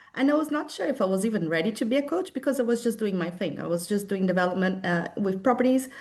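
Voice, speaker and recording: Talking very fast, a woman with a Brazilian accent uses lively intonation. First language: Portuguese. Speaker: property developer and business coach. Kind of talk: interview. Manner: halting.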